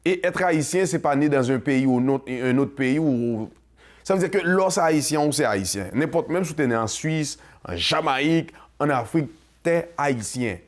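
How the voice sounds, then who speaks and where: On a community show, a Haitian-accented male host talks passionately in a fairly high, animated voice at a moderate pace. He slips Creole into his French and breaks into song, delivering a casual monologue to camera.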